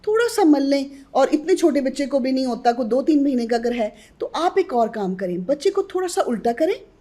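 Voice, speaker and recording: A woman's voice: high-pitched, sing-song, dark tone. A woman who is a guest on a podcast interview, earnestly advising mothers on newborn care and addressing them directly.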